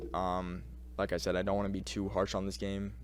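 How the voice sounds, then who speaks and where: This man has a very deep, low pitch with vocal fry. Room echo is audible in the recording. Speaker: gaming youtuber. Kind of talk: game review. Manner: halting, many fillers and repeats; casual.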